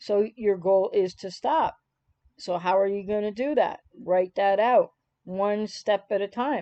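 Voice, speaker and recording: A woman speaks at a fairly slow pace, her pitch medium with ordinary variation. The sound is dry and close with no echo. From Canada. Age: 60s. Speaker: relationship recovery coach. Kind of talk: live stream Q&A. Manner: conversational.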